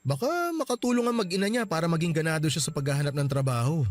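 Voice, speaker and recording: A man's voice: a little high, lively intonation, fast, no echo, soft background music, lightly acted. A man playing a young husband in a radio drama, defensive and pleading. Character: young husband, soft-hearted and placating.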